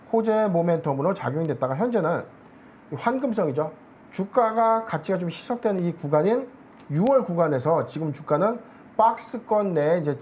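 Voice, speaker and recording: A man speaking as an analyst guest on a stock market show, explaining in a measured way with many filler words. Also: high voice, a little mellow, a little hiss or hum.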